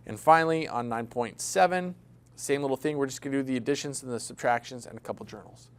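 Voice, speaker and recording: A man lectures an accounting class in a classroom, speaking at a quick pace in a mid-range voice. As the instructor, he's chatty and jokey, talking casually and asking his students questions.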